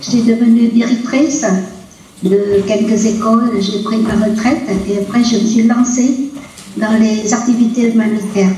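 A woman in her eighties from Vietnam, giving a halting personal testimony at a colloquium. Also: fairly high pitch, mellow, slight background noise. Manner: halting, with many hesitations and repeated words. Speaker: conference speaker. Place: lecture hall. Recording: roomy lecture hall, distant mic.

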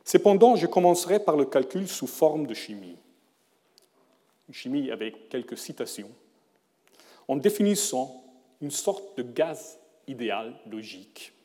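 A middle-aged man who is not a native speaker of the language, giving a formal prepared lecture with a careful, measured delivery and occasional self-corrections. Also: mid-range voice, very animated, mellow. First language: not French. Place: lecture hall. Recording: long reverb of a lecture hall.

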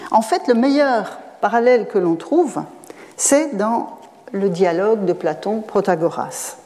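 A woman's voice: mid-range voice, warm tone. Woman lecturing in a reverberant hall. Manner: digressive, explanatory, with frequent fillers and self-corrections. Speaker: professor lecturing. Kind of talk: academic lecture.

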